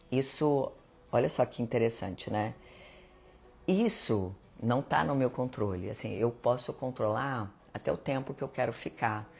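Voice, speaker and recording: A woman's voice: rumbling low, darkish tone, a little hiss or hum. A Brazilian woman hosting a live stream, talking casually about self-knowledge and acting out little everyday exchanges for her viewers. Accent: Brazilian Portuguese. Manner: chatty, conversational, addresses viewers as gente, acts out little dialogues. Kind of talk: casual self-help talk.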